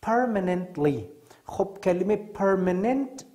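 A woman with an Afghan accent teaching an English vocabulary lesson, saying the English words slowly and clearly, then explaining them more quickly in Dari. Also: medium pitch, lively intonation, dark tone. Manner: switches between slow, drawn-out English and quick Dari explanation.

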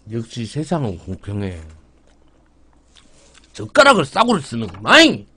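A man's voice: medium pitch, sharp tone, slightly rough. A young man streaming a mukbang, chatting casually to viewers while chewing food. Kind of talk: casual live-stream chat.

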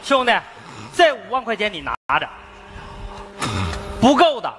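An actor playing an earnest, loyal, warm-hearted friend in a stage comedy sketch. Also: male voice, very high voice, big pitch swings, unhurried, over music, heavily acted. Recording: very noisy theatre stage recording.

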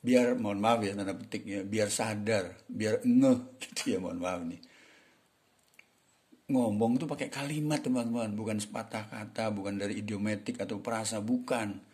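Chatty, mellow-voiced male English tutor. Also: fairly low pitch, moderate pace. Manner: chatty, with frequent polite apologies and fillers. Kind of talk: casual video lesson.

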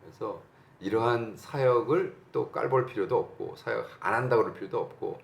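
Middle-aged Korean pastor, lively gravelly sermon delivery with roomy echo, emphatic. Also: male voice, mid-range voice, a little fast, dull audio. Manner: animated, emphatic, shouts out bursts and acts out quotes.

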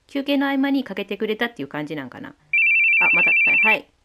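A woman with a Kansai accent giving playful, excitable let's play commentary. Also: mid-range voice, quick pace, heavy background noise. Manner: playful, excitable, shouts at the screen. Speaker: game commentator.

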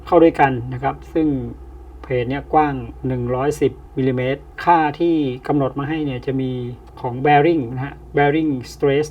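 A man teaching an engineering problem step by step, pausing often with fillers as he explains. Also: on the high side, steady tone, darkish tone, a little hiss or hum. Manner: slow, explains with many pauses and fillers. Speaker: engineering tutor. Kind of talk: step-by-step lecture. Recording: distant, dull lo-fi mic.

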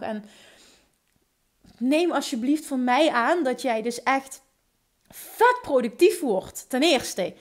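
A young woman hosts a solo podcast in a high, bright register. She speaks with a Limburg accent and an upbeat, high-energy delivery. She often trips over her words and restarts. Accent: Limburg Dutch. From Limburg, Netherlands. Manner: energetic, enthusiastic, talks fast with many restarts. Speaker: podcast host.

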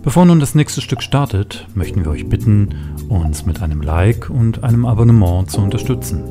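A man making a calm, friendly channel announcement before a radio play. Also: fairly low pitch, normal speed, music in the background.

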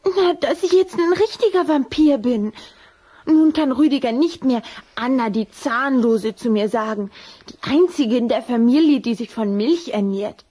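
A woman's voice: sits high, unhurried, dark tone, slightly rough. A woman playing a bold, affectionate young vampire girl in a children's audio drama, eager and girlish.

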